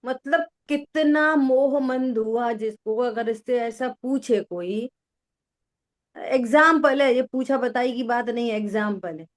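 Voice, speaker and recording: Female spiritual teacher, fairly high voice, slow deliberate delivery, quizzes her listeners. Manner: asks listeners questions, repeats key words. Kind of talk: slow religious discourse with listener check-ins.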